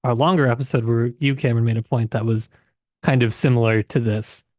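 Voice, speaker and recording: A man's voice: mid-range voice, steady tone, fairly quick, darkish tone, no echo, studio quality. A man co-hosting a casual literary discussion, conversational and tentative as he thinks aloud. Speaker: podcast co-host.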